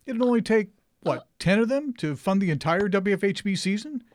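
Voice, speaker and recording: A man's voice: high-pitched, animated, brisk, no echo. A man playing a cheerful radio station volunteer in a comedy sketch, earnest and a bit pompous about his ideas. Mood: pleased.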